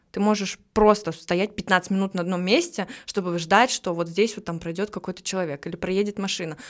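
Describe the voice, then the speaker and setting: At a moderate speed, an unremarkable speaking voice keeps its intonation fairly even. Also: woman. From Russia, Tolyatti. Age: 20s. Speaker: cinematographer and editor. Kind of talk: interview.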